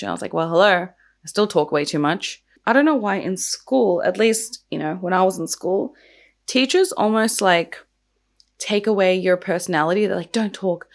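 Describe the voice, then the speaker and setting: Chatty young woman with a croaky voice. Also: lowish voice. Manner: chatty, lots of "like" fillers. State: croaky early-morning voice. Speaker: true crime and makeup vlogger. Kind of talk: casual chatty vlog.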